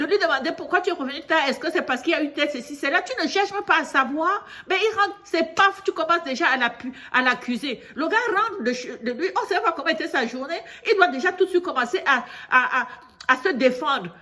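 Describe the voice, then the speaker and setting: A woman vlogger with a stuffy cold talks straight to her viewers in a high, bright voice. She chats loosely, repeats herself and restarts phrases. She turns indignant and preachy as she tells the story. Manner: chatty, repeats and restarts, grows indignant and lecturing. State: congested from a cold. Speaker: YouTuber telling a news story. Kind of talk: casual storytelling monologue to camera.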